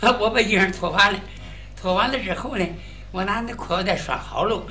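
A man's voice: high voice, fairly quick, bright, forceful tone, a little hiss or hum. A man leading a comic crosstalk routine, telling a tale as a stammering country bumpkin. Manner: playing a blustering country bumpkin, stammering restarts. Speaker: lead comedian in a crosstalk duo.

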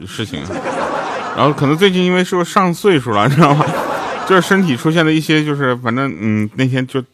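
A man's voice: on the high side, lively intonation, quick pace, crowd noise, noisy background. A man hosting a comedic podcast, joking and mocking himself, often laughing as he talks. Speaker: podcast host. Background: background music.

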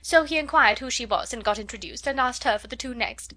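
A woman reading aloud and voicing an excitable middle-aged mother who gossips breathlessly and gushes about a ball. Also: a little high, a little fast, pitched above the performer's own voice. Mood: gushing.

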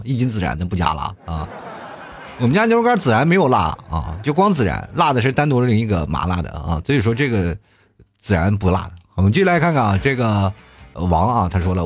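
A middle-aged man hosting a casual chat show, reading listener messages aloud and teasing them with jokes and laughter. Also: lowish voice. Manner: joking, teasing, often laughing.

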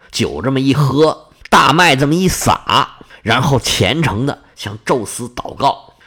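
Animated male storyteller, full of sound words. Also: medium pitch, husky. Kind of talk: oral storytelling of myths.

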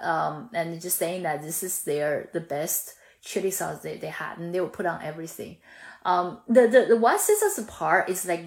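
A woman in her thirties from Chongqing speaks English with a Chinese accent, eager and chatty as a guest in an interview. Her talk is full of fillers and quick restarts. The recording is roomy, with noticeable echo. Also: lowish voice. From Chongqing, China. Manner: lively, frequent fillers and restarts. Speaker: sauce brand founder, guest. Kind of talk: casual interview conversation.

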